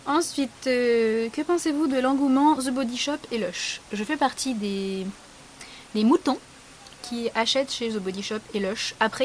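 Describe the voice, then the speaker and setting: A woman's voice: on the high side, slight background noise. A young woman vlogger talking casually and bluntly, sarcastic and frank, with lots of fillers. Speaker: beauty vlogger. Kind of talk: casual vlog answering a question tag.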